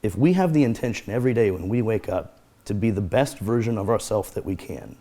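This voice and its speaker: A man's voice: fairly low pitch, expressive, fairly quick, mellow. A man speaking as a guest therapist, explaining in an earnest conversational way and repeating his key phrases.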